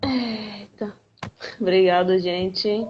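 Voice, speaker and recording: A woman's voice with ordinary pitch variation. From Brazil, Recife (Pernambuco). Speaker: spiritist live-stream host. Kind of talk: casual live-stream chat.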